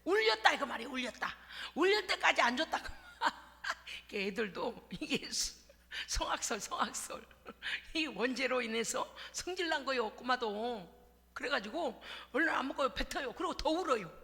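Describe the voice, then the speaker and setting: Woman pastor, playful storyteller in the pulpit, gravelly edge, echoing sanctuary. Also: high voice, moderate pace. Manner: lively, humorous storytelling with acted-out asides. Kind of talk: sermon. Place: church sanctuary. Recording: reverberant church hall.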